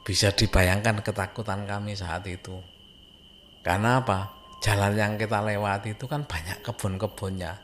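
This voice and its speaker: A man's voice: on the low side, steady tone, moderate pace, a bit bright, a little hiss or hum. A man with an East Javanese Indonesian accent tells a scary story informally, conversational and suspenseful, repeating phrases for emphasis. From Indonesia, a Javanese-speaking village. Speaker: horror story narrator. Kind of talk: informal spoken ghost storytelling.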